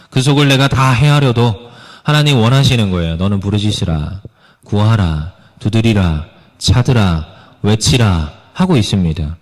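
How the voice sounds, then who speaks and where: A man preaching a sermon as a pastor, earnest, sometimes acting out pleading prayers. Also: medium pitch. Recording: long hall reverb.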